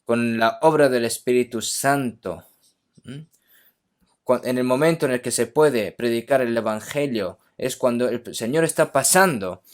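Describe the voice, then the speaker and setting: A man's voice: medium pitch, a little slow. A man from Korea preaching a sermon emphatically, often checking in with his listeners.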